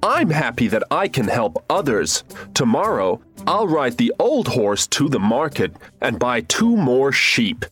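A woman voicing a kind, generous farmer in a children's story, gentle and reassuring. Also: a bass voice, sing-song, unhurried, pitched below the performer's own voice, heavily acted. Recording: faint music behind.

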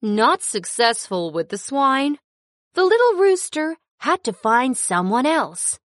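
A woman narrating a children's story in an expressive storytelling manner. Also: high voice, slow pace, no echo, clean studio sound.

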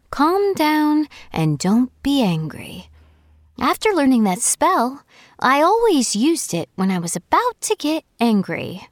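Storybook: woman voicing a calm, tender mother queen, high-ish, lilting, slow. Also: dry recording, clean studio sound, exaggerated voice. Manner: soothing, soft-spoken. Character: gentle, calming mother queen.

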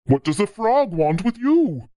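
A woman voicing a fatherly old king in a storybook reading, lowering her voice to sound grave and measured. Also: sing-song, dark tone. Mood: concerned.

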